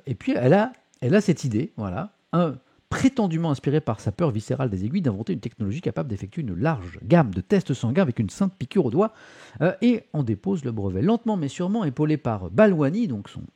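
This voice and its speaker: A man's voice: medium pitch, dark tone, slightly rough. A man hosting a casual live-stream press review, reading articles aloud with chatty asides to his viewers and plenty of hesitation sounds. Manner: chatty, many fillers, reads articles aloud with asides to chat.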